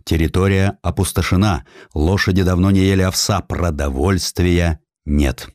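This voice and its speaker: A man voicing a weary, blunt middle-aged general in an audiobook, speaking in a grave, gruff, commanding manner. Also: low-pitched, fairly even intonation, moderate pace, darkish tone, no echo, studio quality, close to an everyday voice.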